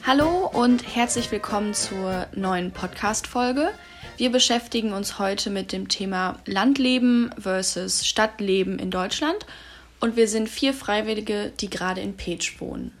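A young woman from Germany in her early twenties chats calmly on a youth podcast. She talks in a thoughtful, unhurried way, and her voice sits in a middle pitch. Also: music in the background. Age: 20s. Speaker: podcast volunteer. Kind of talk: casual discussion.

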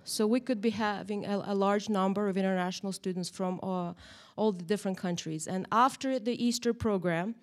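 A woman's voice: medium pitch, fairly quick. Chatty woman teaching a Bible class. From Moldova. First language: Russian or Romanian. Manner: chatty, animated, tag questions. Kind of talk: church Bible lesson. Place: church room, in front of a group.

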